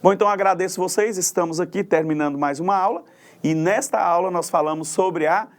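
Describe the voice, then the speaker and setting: A man's voice: high voice, a little fast. A middle-aged man gives a recorded grammar lesson, explaining patiently and repeating terms, often adding "né" and "ó". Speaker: teacher.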